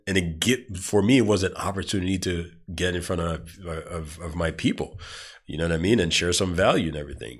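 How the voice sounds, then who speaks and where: A man with a very low, congested voice hosts his podcast alone. He rambles in a casual way, restarting sentences and leaning on fillers as he goes. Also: a bit bright. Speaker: podcast host. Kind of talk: casual monologue.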